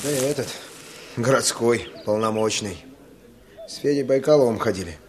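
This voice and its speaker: A man's voice: medium pitch, normal speed, background noise, close to an everyday voice. An actor playing a brash, teasing young village man in a Russian radio drama, with a colloquial rustic manner. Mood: low, conspiratorial. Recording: radio play with music underneath.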